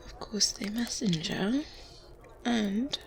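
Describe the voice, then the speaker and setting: Whispering breathily into a close binaural microphone, a woman voices a confident, seasoned good witch for ASMR, calm and gently condescending. Her medium-pitched voice is animated, slow and deliberate, with hesitant pauses and hums, over faint ambience noise and medieval background sounds.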